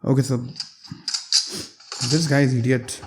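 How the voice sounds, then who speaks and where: A man's voice: mid-range voice, steady tone, a little slow, noisy background. A man giving casual gameplay commentary as a tech reviewer, chatty and self-deprecating with viewers.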